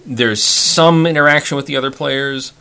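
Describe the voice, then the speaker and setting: A man co-hosting a casual board game chat, halting with frequent restarts. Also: mid-range voice, gravelly, sharp tone. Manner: halting, many restarts and fillers. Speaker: podcast co-host.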